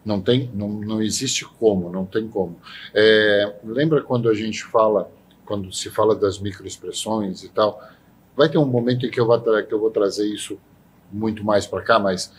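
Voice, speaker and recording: A man's voice: fairly low pitch, normal speed, a little hiss or hum. A man on a podcast panel who explains ideas with restarts and rhetorical questions. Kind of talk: casual podcast discussion.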